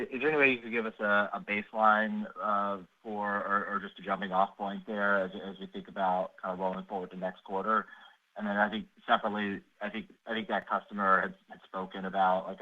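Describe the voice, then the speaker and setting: A man speaking as a financial analyst, asking questions on an earnings call in a halting, tentative way. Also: on the low side, little pitch movement. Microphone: phone line. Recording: dull, lo-fi call audio.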